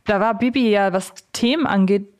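Young woman podcast host, chatty, explains stuff then asks, normal mid pitch. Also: moderate pace. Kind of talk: conversational interview.

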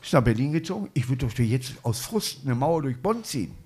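A man's voice: medium pitch, very animated, a little fast, darkish tone, husky. A man hosting a live comedy podcast, rambling through anecdotes and chuckling often. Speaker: podcast host. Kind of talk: casual comedy chat.

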